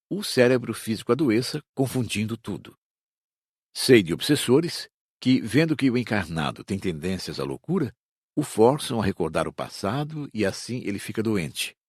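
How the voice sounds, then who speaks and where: Husky, low-voiced male teacher read by a man. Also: no room sound. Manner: didactic, measured. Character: male spirit teacher explaining reincarnation calmly. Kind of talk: scripted audiobook narration.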